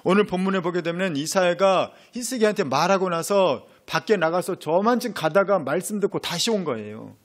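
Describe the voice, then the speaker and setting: A male pastor preaching a sermon, animated, acting out prayers in quoted voices. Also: high-pitched, a little fast, few pauses.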